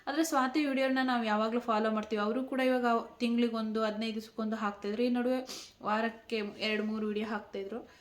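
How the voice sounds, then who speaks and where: A woman vlogger speaks in a somewhat high voice, tearful and close to crying. She pleads with her viewers and keeps coming back to the same words. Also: fairly even intonation, quick pace. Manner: pleading, repeating herself, close to tears. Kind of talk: emotional tribute vlog.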